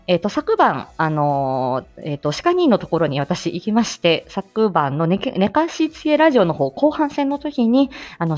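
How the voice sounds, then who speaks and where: A woman's voice: sits low, darkish tone. A woman hosting a live stream, chatting casually with frequent laughter and many fillers. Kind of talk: casual chat.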